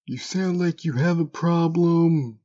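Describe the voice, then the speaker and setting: A man's voice: a little high, takes it slowly, mellow, lo-fi sound. A man voicing a small, ugly, sly bridge creature with a mock-polite, folksy drawl in an audio drama. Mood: sly, smug.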